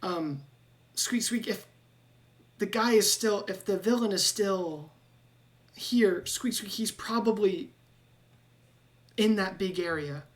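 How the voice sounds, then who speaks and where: A game master voicing an anxious rat man who keeps squeaking between his words, in a tabletop game. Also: takes it slowly, long pauses, natural voice. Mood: warning. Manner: peppers every phrase with squeaks.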